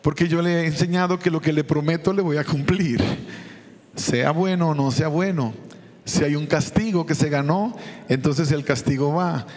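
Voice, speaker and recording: High-voiced man preaching in a hall. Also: moderate pace, a little mellow. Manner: storytelling, acts out dialogue. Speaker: pastor. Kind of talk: sermon with personal story.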